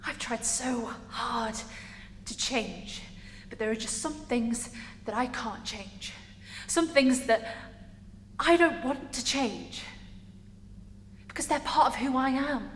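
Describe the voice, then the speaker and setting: Woman acting a slow-spoken, hurt young gay woman, echoey. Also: fairly high pitch. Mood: hurt, pleading. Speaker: acting student. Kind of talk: dramatic theatre monologue. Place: large reverberant indoor room. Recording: echoey hall with background noise.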